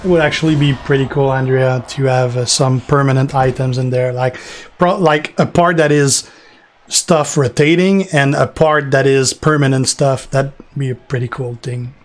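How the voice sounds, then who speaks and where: This is a man in his forties with a French accent, talking easily and unhurriedly to his stream chat. His pitch sits in the middle of the range, and he rambles a little, pausing on fillers. A faint hiss runs underneath. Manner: relaxed, rambling, answers chat by name, fillers. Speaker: gaming streamer. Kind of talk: casual live-stream chat.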